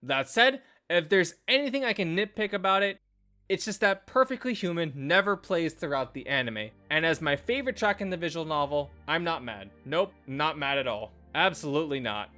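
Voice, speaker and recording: A man's voice: on the high side, expressive, moderate pace, pushed and bright. A man reading a scripted anime video review as a reviewer, with music playing behind him. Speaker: anime and visual novel reviewer. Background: background music.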